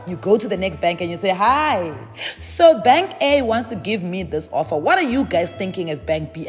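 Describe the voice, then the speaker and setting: A woman's voice: medium pitch, darkish tone, big-room sound. A woman, giving casual money advice in a chatty way with lots of "um"s and repeated words. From South Africa. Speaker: personal finance YouTuber.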